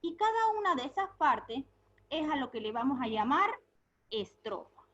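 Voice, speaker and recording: A woman teacher giving a recorded remote lesson, patiently asking her pupils questions, answering them herself and repeating key words slowly. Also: high voice, big pitch swings, fairly bright tone, lo-fi sound.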